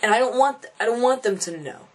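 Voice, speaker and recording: A man's voice: very high-pitched, lively intonation, fast, slightly rough. A young transgender man venting casually to camera, frustrated and thinking aloud, often restarting and repeating phrases. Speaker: vlogger.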